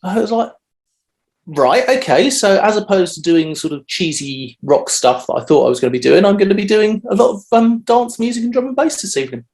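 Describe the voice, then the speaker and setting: A man, answering interview questions at an even pace with frequent "um" fillers over a video call. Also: high voice, brisk. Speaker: DJ and podcast guest. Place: home room on video call.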